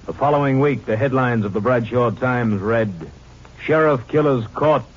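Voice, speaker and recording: A man's voice: medium pitch, moderate pace, loud music behind the voice. A man giving scripted narration in the style of a 1950s radio drama, on an old recording. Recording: dull, noisy vintage radio recording.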